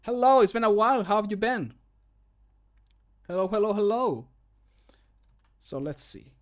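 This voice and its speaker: A man's voice: high-pitched, expressive, a little slow. A man in his thirties chatting casually on a livestream, rambling and easily sidetracked, recorded at a desk microphone in a small room. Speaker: livestreamer and mod maker. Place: small closed room at home. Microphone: microphone at a desk, streaming.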